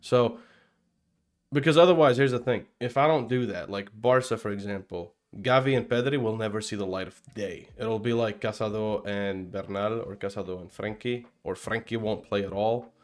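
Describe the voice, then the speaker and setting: A man's voice: fairly low pitch, normal speed. A young man from Palestine, raised in Denmark, casually talking through a football game setup as a gaming channel host, rambling with many fillers and restarts. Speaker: gaming YouTuber. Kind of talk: casual gameplay commentary.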